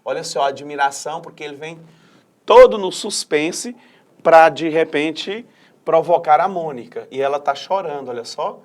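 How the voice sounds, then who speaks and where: A man's voice: a little high, moderate pace. A man with a Brazilian Portuguese accent, teaching an adult-education lesson in an explanatory way and often checking in with tag questions.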